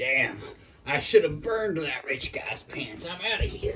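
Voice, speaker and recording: A man talks at a moderate pace. Background noise is clearly audible. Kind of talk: comic overacting. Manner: dumb, blunt, easily frustrated.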